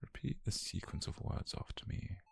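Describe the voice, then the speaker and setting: A British man playing a detached, clinical scientist in a whispered ASMR roleplay, measured and softly controlling, murmuring notes on a captive subject. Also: lightly acted. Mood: coolly approving. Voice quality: breathy, gravelly low murmur.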